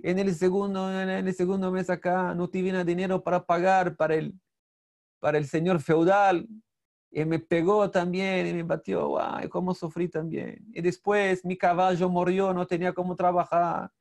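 A man's voice: high voice, gravelly, a little mellow. A man whose first language is Portuguese voicing a poor, simple peasant man who pleads with God in a plaintive, earnest way.

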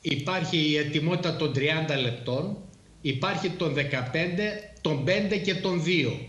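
A middle-aged man, a former air force pilot, explaining things in a measured way with frequent hesitations on a studio talk show. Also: fairly high pitch, a bit bright, reverberant, muffled recording.

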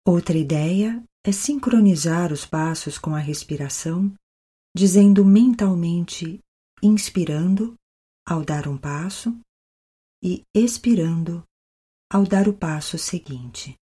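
Brazilian female meditation guide, soothing yoga-teacher delivery, mellow and breathy, pausing often. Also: on the low side.

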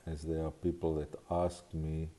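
A man in his sixties with an Afrikaans accent, a farmer speaking English as a second language in an earnest, deliberate vlog from his home study. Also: very deep voice, completely flat delivery, mellow. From South Africa. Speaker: farmer vlogger. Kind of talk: talking-to-camera vlog. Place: home study with bookshelves, indoors.

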